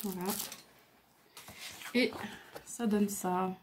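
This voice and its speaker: A woman's voice: mid-range voice, fairly even intonation, drawn-out words, slight background noise. Chatty woman showing craft supplies. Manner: chatty, hesitant, many fillers. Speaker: crafting video host. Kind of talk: casual show-and-tell.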